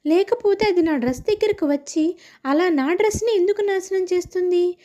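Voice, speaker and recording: A woman voicing a quarrelsome neighbor housewife who scolds loudly, in a cartoon story. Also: very high-pitched, normal speed. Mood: angry. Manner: scolding, shouting.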